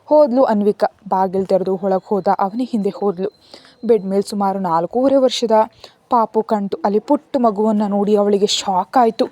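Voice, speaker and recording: A woman narrating a serialized story in a steady, even storytelling manner. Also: medium pitch, normal speed, no room sound.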